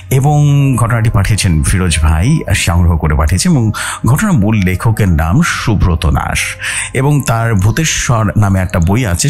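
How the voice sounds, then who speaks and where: A man's voice: sits low, a little mellow, husky. A man hosting and narrating a horror storytelling show in a dramatic radio style, mixing in English words. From Bangladesh. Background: music.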